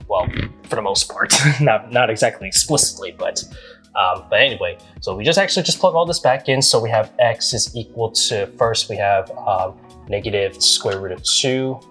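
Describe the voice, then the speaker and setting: A man's voice: fairly low pitch, animated, moderate pace, bright, forceful tone, faint music behind. A man explaining a math problem step by step in a casual, hesitant way, with many ums and restarts. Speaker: math tutor.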